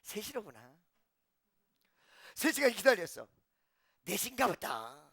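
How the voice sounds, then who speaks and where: Male pastor, sermon, very high voice, lively pitch, gravelly, bright, swings between shouts and hushed asides. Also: measured pace. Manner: swings from shouting to hushed, acts out quoted dialogue. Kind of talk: sermon with storytelling.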